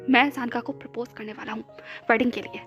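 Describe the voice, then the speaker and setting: A man's voice: very high voice, steady tone, fast talker, fairly bright tone, dull audio, soft background music, voice pushed down. A woman voicing a lovestruck young male CEO who pleads and hurries his words. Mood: pleading.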